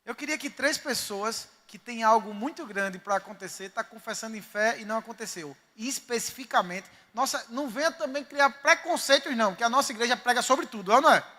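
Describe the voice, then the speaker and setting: High-voiced Northeastern Brazilian preacher. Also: male voice, brisk, few pauses, sharp tone. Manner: emphatic, storytelling preacher. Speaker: pastor. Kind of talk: sermon. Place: church sanctuary. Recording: reverberant church hall.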